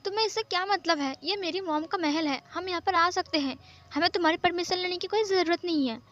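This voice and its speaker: A woman's voice: high-pitched, fairly even intonation, a bit bright, lo-fi sound. Woman reading as a flustered, stammering young man. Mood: indignant. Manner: quick, stammering outbursts. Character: young man, hot-headed, flustered, childish.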